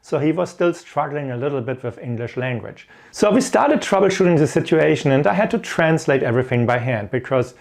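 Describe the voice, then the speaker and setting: A man's voice: on the high side, animated, brisk, gravelly, hardly any pauses. A middle-aged man from Germany with a German accent gives encouraging, explanatory career advice and tells stories from experience. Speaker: host of an IT career advice channel. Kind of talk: instructional talk with personal stories.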